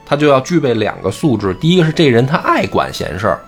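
A man's voice: medium pitch, quick pace, soft background music. A man hosting a casual talk show, explaining a classic novel and acting out the quoted characters. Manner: animated, acts out quoted characters. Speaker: host.

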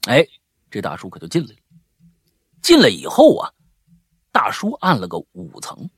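A man with a rough, husky voice hosting and telling listener stories in a chatty way, prone to grumbling, scolding asides. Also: medium pitch, huge pitch swings, moderate pace, dry recording, clean studio sound. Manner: grumbling, scolding, exasperated rants. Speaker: host reading listener stories. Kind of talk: animated storytelling with chatty asides.

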